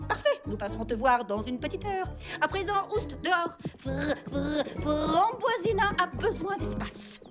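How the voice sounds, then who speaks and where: A woman's voice: very high-pitched, animated, measured pace. A woman voicing a haughty, fussy female TV fashion producer in a French cartoon dub, theatrical and condescending, gushing with pet names. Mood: snobbish. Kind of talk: French animated series dub acting. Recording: background music under the voice.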